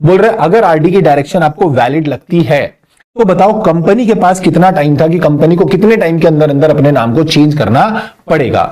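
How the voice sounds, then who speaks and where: A young man teaching exam law in a lively, conversational manner, reading question text slowly and adding teasing asides. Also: a little high. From Punjabi family. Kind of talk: exam-prep lecture, mixing Hindi and English.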